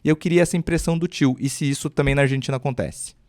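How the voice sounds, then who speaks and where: A man's voice: a little high, steady tone, racing, a little mellow. A man hosting a podcast, upbeat and conversational, introducing guests and steering the talk. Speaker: podcast host.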